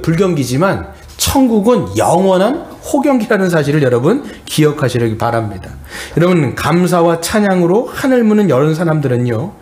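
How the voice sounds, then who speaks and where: High, lively-voiced male pastor preaching. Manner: earnest preaching, repeatedly addressing the congregation. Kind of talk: sermon.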